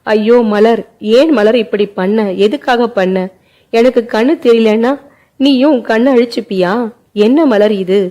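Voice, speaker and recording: A remorseful young lover pleads through tears in a spoken family story, as a woman narrator puts him on. The tone is mellow and warm, and the voice sits at a moderate pitch. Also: measured pace, lightly acted. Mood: anguished. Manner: pleading, sobbing delivery.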